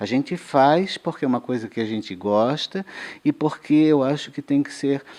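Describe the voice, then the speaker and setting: Against a quiet background, a man with a dark, mellow tone talks at a medium pitch and moderate pace with lively intonation. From Florianópolis, Santa Catarina, Brazil. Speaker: poet and writer. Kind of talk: interview. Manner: gentle, soft-spoken.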